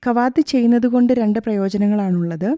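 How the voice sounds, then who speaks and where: Mellow-voiced woman reading a farm talk. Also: medium pitch, fast, no room sound, studio quality. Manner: steady, instructive delivery. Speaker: agricultural scientist giving a radio farm talk. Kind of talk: scripted radio talk, read aloud.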